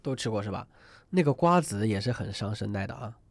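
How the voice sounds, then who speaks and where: A man's voice: fairly low pitch, expressive, brisk, vocal fry, no room sound. A man teaching an online singing class, chatty and rambling, often asking students to type numbers in the chat. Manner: rambling with many fillers and restarts. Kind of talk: live online class lecture.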